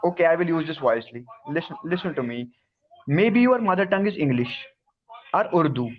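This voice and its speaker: A man's voice: a little high, expressive, fairly quick. A man calling in to a debate show, insistently pressing the host with questions. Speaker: caller. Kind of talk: call-in debate. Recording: dull lo-fi call line.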